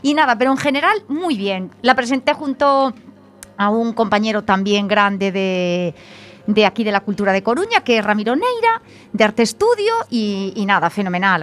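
A young woman chats as a radio guest. She tells stories in a lively way and acts out the voices of others. Her voice is high. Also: moderate pace. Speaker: event presenter, guest. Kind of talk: casual radio interview.

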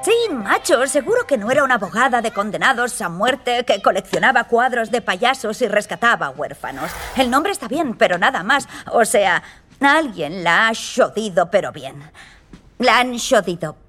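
A woman's voice: fairly high pitch, lively intonation, moderate pace, fairly bright tone, soft background music. A woman dubbing a brash, foul-mouthed young woman in a dubbed TV comedy, blunt and sarcastic. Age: young adult. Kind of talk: Spanish TV comedy dub.

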